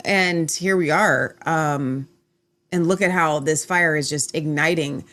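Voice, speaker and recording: A woman in a lower register hosts her online show from home. She talks in a chatty, rambling way and often restarts her sentences. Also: slow, fairly bright tone. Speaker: host. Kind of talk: casual online show chat.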